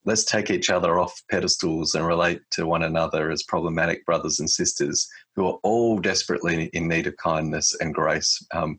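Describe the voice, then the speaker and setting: Guest: man, 40s, very low husky voice, rambling and reflective, lots of ums and self-corrections. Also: fairly bright tone. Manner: reflective, many fillers and restarts. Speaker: podcast guest. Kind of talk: casual conversation.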